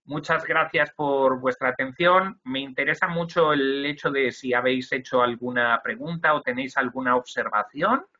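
A man's voice: mid-range voice, bright, forceful tone. Man giving a webinar lecture on a video call. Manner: explanatory, with frequent "ujú" and "eh" fillers. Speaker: Spanish language teacher trainer. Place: indoor room. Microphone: video call webcam. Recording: dull lo-fi video call audio.

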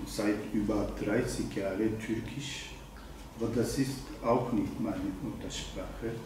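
Older man, halting German, far from the mic, faint room noise. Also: fairly low pitch, fairly even intonation, darkish tone, very echoey. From Eastern Anatolia. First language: Zazaki. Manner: halting, with frequent ums and self-corrections. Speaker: poet reading at a literary evening. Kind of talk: slow introduction and prepared reading. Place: wine bar event room. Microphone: far camera.

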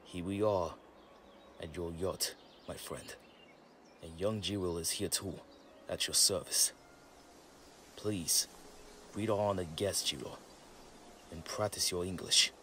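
A man playing a calm, wise tribal guide with a formal, measured manner in a motion comic. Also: low voice, a little hiss or hum, heavily acted. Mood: gracious. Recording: loud music under the voice. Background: music.

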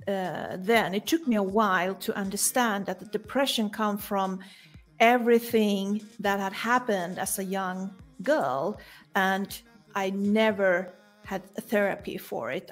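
A middle-aged Swedish woman, a coach with a Swedish accent, tells her story conversationally as a guest on a video-call interview from a room in her home. Her voice is medium in pitch and a little slow, with soft music playing in the background.

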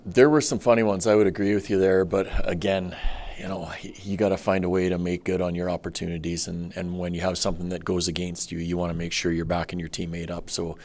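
A middle-aged man speaks into a table microphone in a press room, in a deep, gravelly voice. He answers in a measured, matter-of-fact way, with an even, flat delivery that rarely rises. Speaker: hockey head coach. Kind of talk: post-game press conference answers. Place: press room in front of a sponsor backdrop. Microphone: table microphone on a stand.

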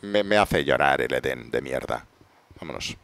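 A man's voice: very deep voice, expressive, moderate pace, gravelly, a bit bright, no room sound. A man with a Spain Spanish accent, streaming a game live with rambling, self-mocking banter, sounding tired. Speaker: gaming streamer. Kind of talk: casual live gameplay commentary.

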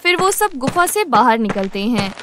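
Very high-pitched woman story narrator. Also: very animated, moderate pace, a bit bright, slight background noise.

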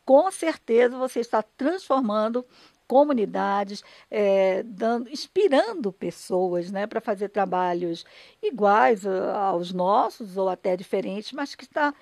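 A woman's voice: mid-range voice, animated, measured pace, vocal fry, a little mellow, dry recording. A Brazilian woman, a radio dramatist and broadcaster, explaining her work conversationally and earnestly in an interview, often checking for agreement.

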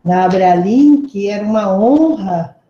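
A woman organizer giving slow, hesitant, complimentary closing remarks at an online lecture over a video call. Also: medium pitch, lively intonation, echoey room, lo-fi sound. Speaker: event organizer.

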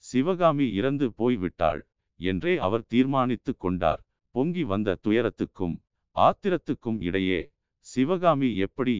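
A man reads a novel aloud as an audiobook narrator, measured and steady in a low, exceptionally clear voice. The recording is close and dry, with a dull, lo-fi sound. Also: dry recording. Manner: measured storytelling.

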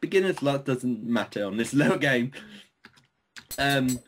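A man's voice: medium pitch, expressive, measured pace, slight background noise. An Australian man hosting a casual gaming session, giggling and coaching a new player. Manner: giggly, encouraging, coaching a newcomer. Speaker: gaming channel host. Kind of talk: casual let's-play commentary.

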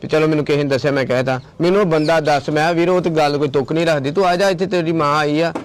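A man's voice: on the high side, fairly even intonation, rapid-fire. A man from Tarn Taran in Punjab, an ashram caretaker who talks insistently, repeating his points and quoting phone calls. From Tarn Taran district, Punjab. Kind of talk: confrontational on-location video.

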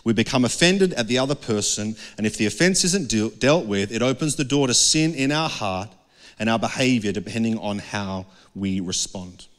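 A man's voice: on the low side, normal speed. A middle-aged man preaching a conversational sermon on a handheld mic, often asking the congregation questions. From Australia. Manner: conversational, earnest, asks the crowd questions. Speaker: pastor. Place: dark indoor stage with a couch. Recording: long hall reverb.

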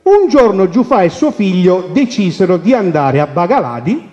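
Animated man telling folk tales. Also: sits high, moderate pace. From Calabria. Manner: animated, playful. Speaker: storyteller. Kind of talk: folk tale storytelling on radio. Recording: dull radio recording with long reverb.

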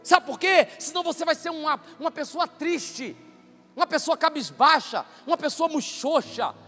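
A male pastor, preaching a loud, joking, animated sermon in a church. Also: extremely high pitch, moderate pace. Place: church sanctuary. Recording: reverberant church hall with faint music.

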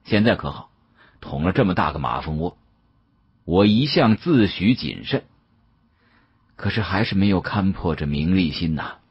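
A man voicing a shrewd older male professor in an audiobook, speaking in a measured, avuncular way. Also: sits low, animated, slightly rough, highs cut off, full character voice. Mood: rueful.

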